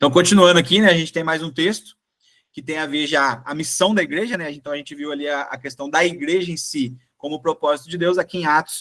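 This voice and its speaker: Bright and sharp in tone, a man with a fairly high pitch talks at a fairly quick pace with big swings in loudness. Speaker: Bible class teacher. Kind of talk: Bible lecture. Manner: fast; animated.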